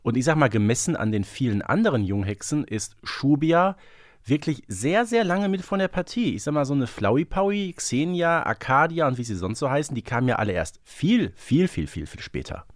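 Male podcast co-host, medium pitch, casual expert talk, dry close-mic recording. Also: big pitch swings, normal speed, dry recording.

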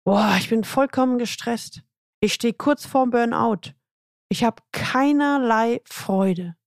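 A woman's voice: a little high, takes it slowly, dry recording, studio quality, voice pushed up. A woman reading a frustrated, stressed executive. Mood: exasperated. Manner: tense, exasperated complaining.

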